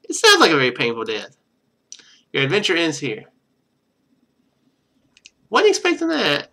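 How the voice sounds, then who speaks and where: A man's voice: on the high side, wildly swooping pitch, measured pace, pushed and bright. A man streaming a game, reading its text aloud and adding casual, wry asides.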